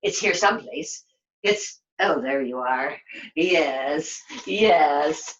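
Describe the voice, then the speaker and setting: A woman's voice: low-pitched, lively intonation, takes it slowly, highs cut off, pitched below the performer's own voice. A woman voicing a vain, scheming evil queen in a puppet show, theatrical and gloating, with cackles. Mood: sly, conspiratorial. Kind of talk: live puppet show villain.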